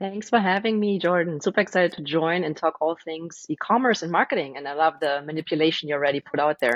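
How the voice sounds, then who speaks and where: A woman with a German accent talks at a very fast pace with hardly any pauses. Her pitch is fairly low, with ordinary variation. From Germany. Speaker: marketing executive. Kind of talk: interview.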